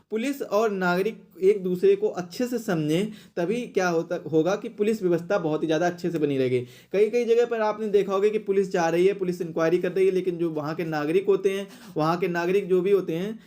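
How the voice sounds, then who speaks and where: A man's voice: high voice, dark tone. A man teaching an exam question-and-answer lesson, explaining and repeating phrases for emphasis.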